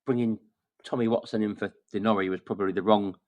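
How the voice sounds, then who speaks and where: Man, slightly deep voice, dry recording, measured casual match analysis, fan pundit. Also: steady tone, dry recording, muffled recording. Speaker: football podcast guest, fan pundit. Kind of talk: casual football chat.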